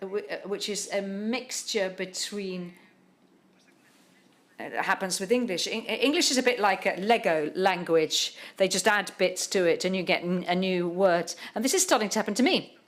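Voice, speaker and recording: Halting woman interpreting a talk. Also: mid-range voice. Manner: halting, many pauses and restarts.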